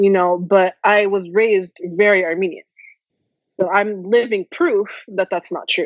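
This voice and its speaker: In an American accent, a normal speaking voice moves at a fairly slow pace with fairly even intonation, the sound dry and close with no echo. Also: woman, medium pitch for a woman. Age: young. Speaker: panelist. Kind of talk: panel discussion.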